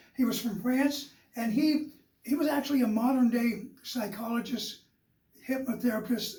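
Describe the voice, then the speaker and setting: Speaking at a moderate pace with fairly even intonation, a man with an extremely high pitch and a dark, mellow tone is heard with audible room echo. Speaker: sales coach and mortgage business owner. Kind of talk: motivational talk. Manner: slight stutter; repetitive, emphatic.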